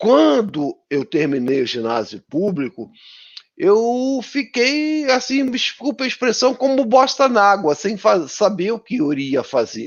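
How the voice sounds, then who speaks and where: Delivery is fairly slow, in a Rio de Janeiro accent. The pitch swings very widely. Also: man, high pitch for a man. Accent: Carioca Brazilian Portuguese. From Rio de Janeiro, Brazil. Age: 70s. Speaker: professor. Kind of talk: online panel discussion.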